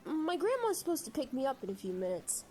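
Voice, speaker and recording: A woman's voice: sits high, big pitch swings, quick pace, warm tone. A woman voicing an awkward, friendly young boy in a dramatic story reading, with a hesitant manner. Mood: friendly, sheepish.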